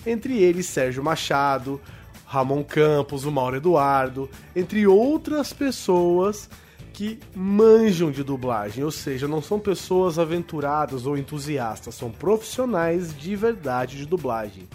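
A man's voice: on the high side, animated, unhurried, darkish tone, faint music behind. A Brazilian man talking casually as a podcast host, recommending a show.

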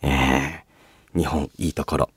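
A man hosting a casual solo radio show, chatting and reading out listener mail in a polite but chatty, animated way. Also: rumbling low, a little slow, slightly rough, dry recording. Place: radio studio, dry sound.

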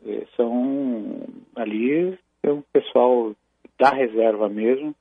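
A Brazilian man analyses military matters over a tinny phone line. His voice is gravelly and dry, and he speaks in a measured, halting way with frequent restarts. It sounds like a phone-in segment on a news program. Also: mid-range voice, no echo. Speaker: commentator on military affairs.

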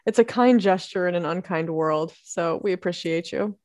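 A woman's voice: fairly low pitch, moderate pace, darkish tone, no echo. A woman from Florida hosting a podcast, chatty and giggly as she steers the casual talk. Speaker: podcast host. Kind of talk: casual chat.

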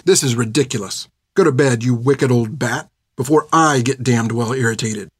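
A man voicing a defiant, sharp-tongued teenage girl. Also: on the high side, animated, husky, dry recording, studio quality, pitched above the performer's own voice. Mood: furious. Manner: defiant, quick to insult.

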